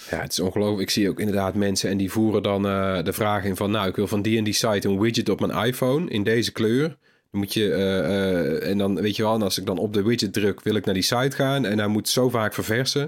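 A man with an unremarkable speaking voice talks at a fairly quick pace with hardly any pauses. His pitch is fairly low with ordinary variation, and the recording is very clean with a silent background. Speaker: tech podcast host. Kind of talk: casual chat. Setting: home recording.

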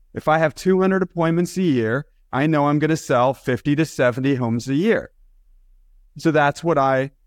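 A man with an American accent, an unremarkable speaking voice at fairly high pitch, with lively intonation, moderate pace and very even loudness, in a dry, close sound with no echo and a quiet background. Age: 50s. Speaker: real estate agent. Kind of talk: casual chat.

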